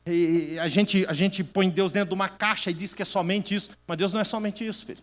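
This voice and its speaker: A middle-aged Brazilian man preaching from the pulpit, his voice sitting high for a man. He tells his story with animated swings between loud bursts and hushed asides, and a long church-hall reverb trails every phrase. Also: fast. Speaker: pastor. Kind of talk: sermon.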